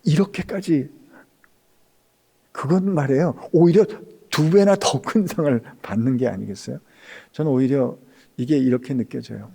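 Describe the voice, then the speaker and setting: A male pastor preaching a sermon, swinging between raised emphatic passages and hushed, whispered lines, acting out quoted speech in intimate tones. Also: medium pitch, normal speed, vocal fry, slight background noise.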